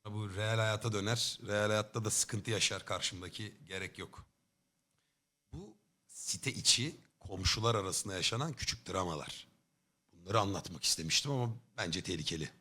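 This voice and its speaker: A man's voice: on the low side, normal speed, pushed and bright. A man livestreaming from home, telling a story in a casual, blunt way, with swearing and comic exaggeration. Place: home streaming setup.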